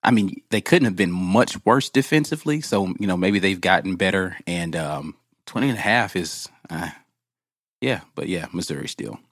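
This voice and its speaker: A man's voice: low-pitched, animated, normal speed, dry recording, clean studio sound. A man chatting casually about sports, hesitant and rambling. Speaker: podcast co-host.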